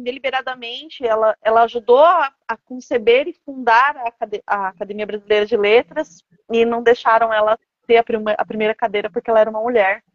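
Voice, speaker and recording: A Brazilian woman author speaking conversationally and earnestly in an interview, explaining her ideas and often checking in with short tags. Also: a little high. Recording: echoey room, dull lo-fi audio.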